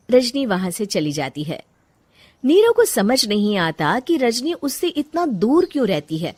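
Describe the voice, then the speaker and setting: A woman narrating a Hindi cartoon moral story in a calm storytelling way. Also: medium pitch.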